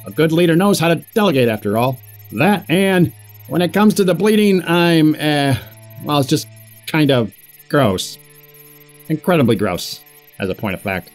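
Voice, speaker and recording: An actor playing a wry, squeamish middle-aged corporate boss, narrating an audio drama in wordy, pompous style. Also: male voice, a little high, expressive, moderate pace, faint music behind, lightly acted. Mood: fussy, uneasy.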